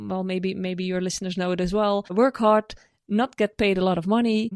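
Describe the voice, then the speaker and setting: In a Dutch accent, a woman speaks at a medium pitch with ordinary pitch variation. The sound is dry and close, without echo. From Netherlands. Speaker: money mindset coach. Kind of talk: interview podcast.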